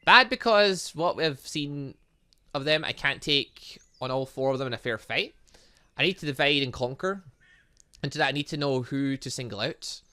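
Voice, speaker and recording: A man's voice: mid-range voice, lively intonation, normal speed, bright, forceful tone, clean tone, no echo. A man reading game dialogue aloud in a let's play, adding his own commentary and often stumbling over words and correcting himself. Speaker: gaming YouTuber reading a visual novel aloud.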